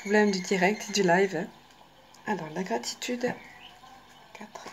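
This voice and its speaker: Slow soft-spoken woman doing an oracle card reading, lots of whispery bits, faint hum behind her. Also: medium pitch. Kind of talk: live card reading, reading card texts aloud.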